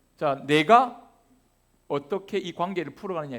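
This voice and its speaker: A man is speaking. His pace is moderate. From Busan, Gyeongsang region, South Korea. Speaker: pastor. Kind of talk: sermon. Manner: animated, interactive with congregation.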